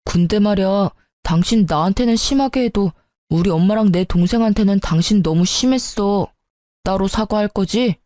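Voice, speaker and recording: Tactless whiny husband, woman voicing him, mellow tone, dry close sound. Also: medium pitch, moderate pace, no room sound, close to an everyday voice. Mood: sulky. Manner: whiny, self-justifying. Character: young husband, tactless and sulky. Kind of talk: story radio drama reading.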